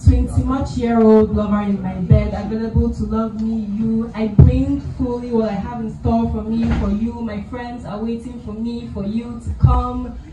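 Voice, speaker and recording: Soft-spoken young woman reciting poetry. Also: fairly high pitch, steady tone. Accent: Nigerian English. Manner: soft-spoken, measured, building to emphatic delivery. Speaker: spoken word artist. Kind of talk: spoken word poetry performance. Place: small lounge venue, indoors. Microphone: handheld mic, filmed by phone from the audience. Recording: roomy, distant, loud music behind.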